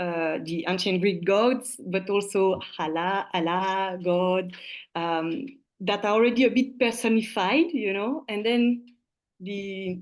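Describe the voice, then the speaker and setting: Over a quiet background, a woman with a French accent speaks at a very slow pace, medium in pitch, with ordinary pitch variation. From Belgium (French-speaking). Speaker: healing instructor. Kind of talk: lecture. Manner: halting.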